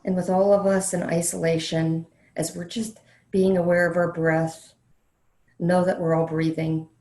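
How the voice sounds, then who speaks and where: A woman leading a guided meditation in a slow, soothing way, leaving long pauses between phrases. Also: on the low side, flat delivery, dark tone. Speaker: meditation leader, counselor educator. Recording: roomy, echoey sound.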